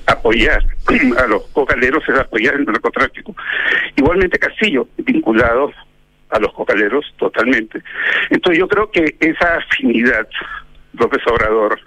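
Male pundit guest, bright forceful voice, dry close sound, emphatic and argumentative. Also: mid-range voice, no room sound, rough recording. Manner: emphatic, argumentative, ironic asides. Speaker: political analyst guest. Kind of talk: radio interview commentary.

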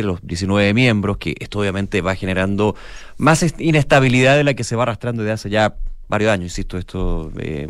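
A man's voice: fairly low pitch, no room sound, clean studio sound. A man with a Chilean accent co-hosting a morning radio show, giving rambling news commentary with frequent restarts. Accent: Chilean Spanish. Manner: rambling, restarts often, thinks aloud.

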